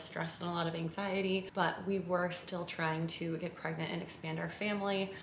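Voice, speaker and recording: Fairly quick, monotone speech with flat intonation over noticeable background noise. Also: woman. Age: 30s. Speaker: lifestyle and family vlogger. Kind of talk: casual vlog talk to camera. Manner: fast.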